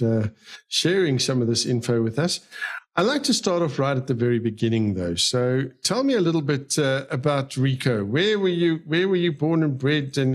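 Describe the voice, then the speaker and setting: Husky-voiced male podcast host. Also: medium pitch. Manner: friendly, rambling questions with fillers. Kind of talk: interview hosting.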